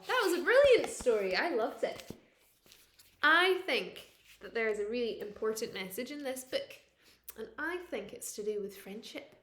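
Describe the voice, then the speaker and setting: A woman, a primary school teacher, reading a picture book to young children expressively, with dramatic pauses and questions to her listeners. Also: sits high, a bit bright, roomy sound.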